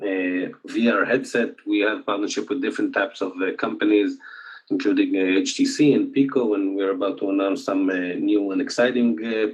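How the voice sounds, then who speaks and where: A man with an Israeli accent presents over a video call, his voice pitched a little low and coming through dull and lo-fi. He talks haltingly, filling pauses with lots of "uh" sounds. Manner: hesitant, many filler sounds. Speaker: conference presenter. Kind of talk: conference presentation.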